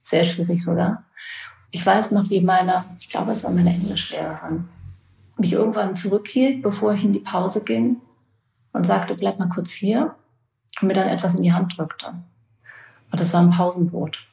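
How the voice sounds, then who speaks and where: A woman's voice: medium pitch, fairly even intonation, normal speed, vocal fry, warm tone, roomy sound, poor audio. A woman in her forties from Berlin, an interview guest and author, telling personal memories thoughtfully and often restarting her sentences. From West Berlin, Germany. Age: 40s. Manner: thoughtful, searching for words, frequent restarts. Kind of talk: reflective personal storytelling.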